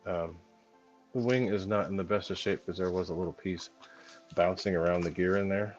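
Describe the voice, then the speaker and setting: A man with a very low, hoarse voice chats loosely to his viewers, filling pauses with ums. The sound is dull and lo-fi, with faint music behind him. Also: fairly even intonation, a little mellow. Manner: rambling, lots of ums, talks to chat. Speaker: hobby channel host. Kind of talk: casual live-stream unboxing chat.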